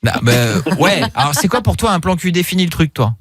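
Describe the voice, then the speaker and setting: A man hosting an evening call-in radio show, relaxed and teasing, with many fillers and a studio mic. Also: on the high side, a little fast, no echo. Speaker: radio host.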